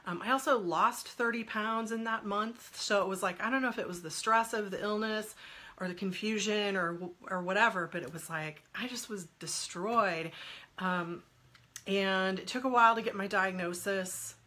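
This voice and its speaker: Woman in her 40s, stuffed up from a cold, bright voice, chatty and laughy, live stream from home. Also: mid-range voice, normal speed. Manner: chatty, laughs often, greets viewers by name. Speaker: guest speaker on a live stream. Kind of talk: casual live-stream chat answering comments.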